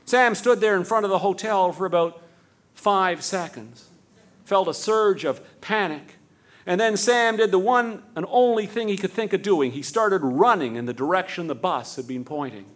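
A man telling a story on stage as the show's host, stacking long run-on sentences and slowing to a hush for the tender moments. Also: sits high. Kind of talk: live storytelling narration.

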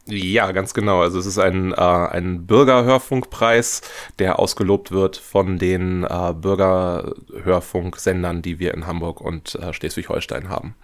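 A man from northern Germany who makes radio dramas, talking as a guest in a relaxed and thoughtful way with many fillers. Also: low voice, a little slow. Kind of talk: casual interview talk.

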